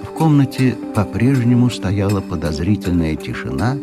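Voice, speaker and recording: A man narrating a children's fairy-tale audiobook in an expressive storytelling manner. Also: lowish voice, moderate pace, over loud music.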